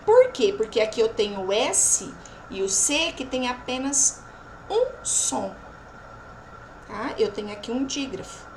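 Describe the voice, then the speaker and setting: Brazilian portuguese teacher lady, slow and careful, keeps checking the kids got it, bit of hiss behind. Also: a little high, animated. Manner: slow, drawn-out pronunciation of example words; frequent checking tags after each point. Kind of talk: recorded remote lesson.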